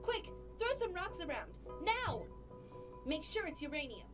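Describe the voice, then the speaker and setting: A woman's voice: extremely high pitch, sing-song, a little slow, over music, heavily acted. A woman voicing a boastful, theatrical cartoon villainess who is pompous and dramatic. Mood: frantic. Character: boastful, theatrical female villain, great and powerful. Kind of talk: dramatized cartoon parody dialogue.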